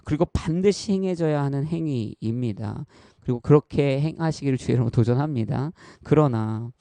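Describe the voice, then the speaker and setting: A man's voice: medium pitch, brisk, gravelly, dark tone, dry recording. A man in his thirties preaching a sermon as a pastor, earnest and conversational, often turning to address the congregation directly and telling personal stories. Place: church.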